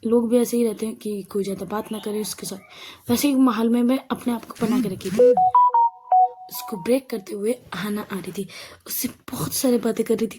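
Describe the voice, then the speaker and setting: A woman telling a story in a relaxed, conversational manner, often restarting her phrases. Her voice sits a bit high, with a soft, husky, mellow tone. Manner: loose, conversational retelling. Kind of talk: casual story narration.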